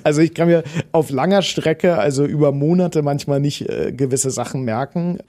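A man's voice: on the high side, moderate pace, warm tone. A man in his thirties, an actor with a Berlin accent, chatting in an interview with many fillers and restarts. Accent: Berlin dialect. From Potsdam, Germany. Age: 30s. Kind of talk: interview conversation.

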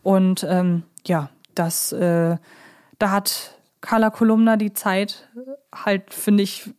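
A woman's voice: mid-range voice, steady tone, slow pace, darkish tone, smooth. A woman with a mid-range voice talks casually as a podcast co-host. She feels her way through her points and often asks for confirmation. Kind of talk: casual conversational discussion.

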